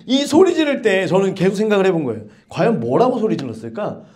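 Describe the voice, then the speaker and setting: A pastor in his thirties preaches a sermon to his congregation. His voice sits high for a man and swings widely in pitch. He fires questions at his listeners and slips into grumbling voices to act out what people say. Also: big pitch swings, quick pace, darkish tone. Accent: Korean.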